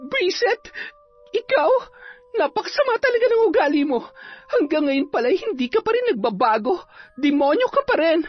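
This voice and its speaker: A man doing a shrill, sobbing young woman. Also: sing-song, moderate pace. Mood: tearful, furious. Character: wronged young woman, tearful and vengeful. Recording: slightly dull, faint music.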